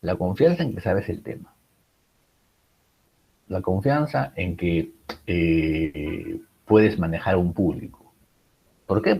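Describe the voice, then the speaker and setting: A man's voice: deep voice, a little mellow, breathy edge, rough recording. A man teaching a writing class, explaining public speaking with many rhetorical questions and fillers. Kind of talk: recorded class lecture.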